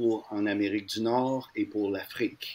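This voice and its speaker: Speaking with a Quebec accent, a man talks at a medium pitch. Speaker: pastor. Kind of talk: testimony. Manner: hesitant, many fillers.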